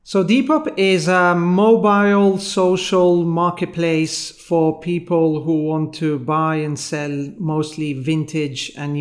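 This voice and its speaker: Italian-accented man, fairly high voice. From Italy. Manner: measured and reflective, pauses often with filler sounds. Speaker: founder, interview guest. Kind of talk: casual interview storytelling.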